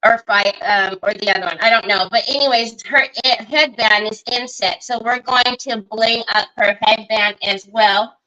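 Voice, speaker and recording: A woman's voice: fairly high pitch, moderate pace, hardly any pauses, pushed and bright, highs cut off. A woman hosting a casual craft livestream, chatting along and greeting viewers by name as she works. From Northern California. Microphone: computer mic on a livestream.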